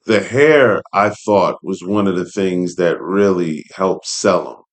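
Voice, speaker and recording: A man's voice: low voice, slow pace. A man hosting a read-along commentary, speaking in a casual, conversational and emphatic way. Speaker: host reading an article aloud with commentary.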